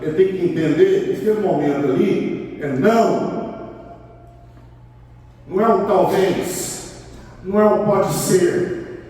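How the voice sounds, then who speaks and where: A man's voice: high-pitched, takes it slowly, long pauses, dark tone. A man with a Brazilian Portuguese accent preaching a sermon as pastor, emphatic and repeating his key phrases. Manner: emphatic, repeats key phrases, acts out a father's stern talk. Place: large church hall. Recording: echoey hall, voice from far off.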